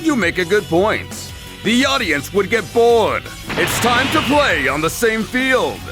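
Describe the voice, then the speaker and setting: A man performs a proud, self-assured fighter from a cartoon. His voice sits somewhat high and swings expressively, with theatrical delivery over clearly audible music. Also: sing-song, a little slow. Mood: calculating, confident. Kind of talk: cartoon voice acting. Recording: music under the voice.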